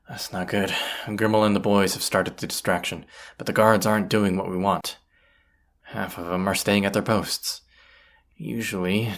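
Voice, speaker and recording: A performer voicing a folksy, plain-spoken bandit leader in an audio roleplay, with a gravelly, husky voice and a conversational, wry manner. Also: sits low. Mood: tense, frustrated. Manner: folksy, conversational, hushed at times. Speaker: character voice actor. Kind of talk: immersive audio roleplay acting, addressing the listener.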